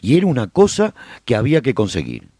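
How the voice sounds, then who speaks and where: A man's voice: medium pitch, wildly swooping pitch, fast talker, dark tone, no room sound, pitched above the performer's own voice. A man playing a survivor who hosts a radio broadcast, narrating a post-apocalyptic chronicle as a scripted radio serial. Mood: solemn, proud.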